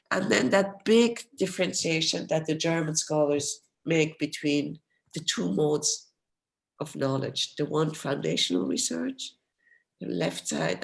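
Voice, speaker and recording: A woman professor giving an academic research lecture over a video call in an explanatory, steady way, losing her voice and coughing now and then. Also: low voice, vocal fry. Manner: explanatory, steady, apologetic when interrupted.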